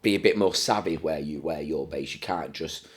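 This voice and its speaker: A man's voice: very deep voice, moderate pace, a crowd in the background. A man hosting a podcast, asking questions in a friendly, matey, casual way. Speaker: podcast host. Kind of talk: casual interview chat.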